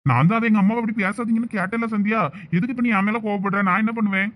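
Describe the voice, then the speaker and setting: A man's voice: sits high, rapid-fire, fairly bright tone. A man doing a flustered, pleading village husband. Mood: defensive. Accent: Thoothukudi Tamil. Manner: pleading, coaxing. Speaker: cartoon voice actor. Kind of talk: comic cartoon family drama.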